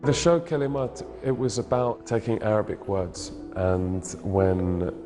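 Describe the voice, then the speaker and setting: A man's voice: on the low side, fairly even intonation, unhurried. A man in his thirties, a painter, talking thoughtfully about his work and often searching for words. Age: 30s. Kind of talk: reflective interview monologue. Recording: reverberant room with music underneath.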